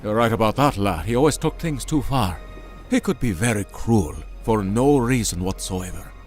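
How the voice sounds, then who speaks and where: A man acting a kindly, protective big demon henchman in a fan audio drama, earnest and soft-hearted in manner. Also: on the low side, expressive, moderate pace, soft background music, natural voice. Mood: earnest, reassuring.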